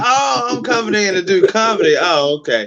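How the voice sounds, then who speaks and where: Raised and projected, the voice has a bright, sharp tone and moves at a fairly quick pace. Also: man. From Chicago West Side, US Midwest. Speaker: comedian. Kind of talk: stand-up.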